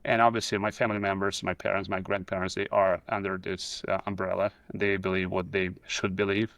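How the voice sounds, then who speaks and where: A man's voice: low-pitched, flat delivery, a little fast, gravelly, a bit bright, no room sound. A middle-aged man with a Russian accent, a guest on a video call, telling his story in a hesitant way with many fillers and restarts. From Soviet Union. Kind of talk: casual video-call interview. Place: pool house.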